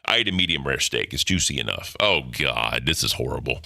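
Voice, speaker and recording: A deep-voiced man in his thirties hosting a livestream, talking casually in a blunt, profane, rambling way. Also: lively intonation, a little fast, vocal fry, sharp tone. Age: 30s. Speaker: livestream host. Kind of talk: casual chat.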